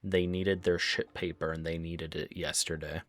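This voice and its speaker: Low-voiced young man with a cold. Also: level tone, normal speed, a bit bright. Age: young adult. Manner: crude, sarcastic, swears a lot. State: has a cold. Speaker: storytime narrator. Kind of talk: casual storytelling.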